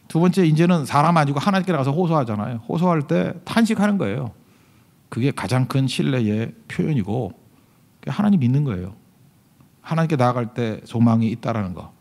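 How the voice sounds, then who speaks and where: A man's voice: medium pitch, darkish tone. A middle-aged male pastor preaching a sermon, joking and mimicking biblical figures as he goes.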